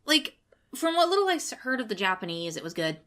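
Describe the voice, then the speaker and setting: A woman's voice: on the high side, sing-song, brisk, pushed and bright. A woman co-hosting a casual podcast, talking expressively with lots of "like". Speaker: podcast co-host.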